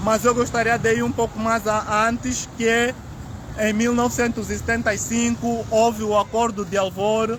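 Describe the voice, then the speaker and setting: Over noticeable background noise, a man talks at a moderate pace in a high pitch with monotone, flat intonation. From Angola, Moxico province. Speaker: panel speaker, political activist. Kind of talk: public talk. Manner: soft-spoken.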